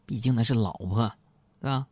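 A man's voice: medium pitch, a little fast, dark tone, breathy edge, dry recording. A middle-aged man, hosting a comedic storytelling radio show and chatting straight to his listeners in a jokey way.

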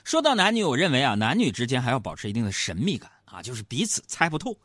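A man's voice: medium pitch, wildly swooping pitch, fast talker, a bit bright, dry recording, clean studio sound, faint music behind. A middle-aged man, hosting a comic storytelling monologue. He is chatty and teasing and keeps asking his audience rhetorical questions. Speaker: comedy talk show host.

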